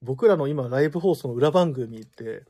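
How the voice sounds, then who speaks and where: A man's voice: mid-range voice, animated, dark tone, husky. A man hosting a live radio show in a studio, chatting casually and joking with a guest. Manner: fast, joking, laughs often. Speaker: radio host.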